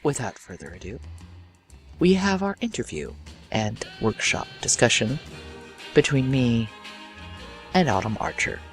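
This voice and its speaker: A woman's voice: extremely low pitch, very animated, unhurried, pauses often, faint music behind. A woman hosting a podcast, giving an introduction in a theatrical, effusive storytelling manner. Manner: theatrical, effusive, quotes others in acted voices. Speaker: podcast host and audio drama creator.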